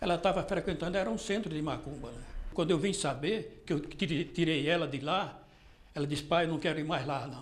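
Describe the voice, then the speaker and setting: A fairly quick, fairly high-pitched male voice with ordinary pitch variation and audible room echo. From Northeast Brazil. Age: 70s. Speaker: retired father of mentally ill daughters. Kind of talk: documentary interview testimony. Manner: halting, with repetitions.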